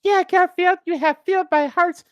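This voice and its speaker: Man putting on a very high, lustful lady voice. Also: fairly even intonation, normal speed, a bit bright, dry recording, highs cut off. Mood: lustful, adoring. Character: breathless, lustful adoring woman, seductive storybook lady.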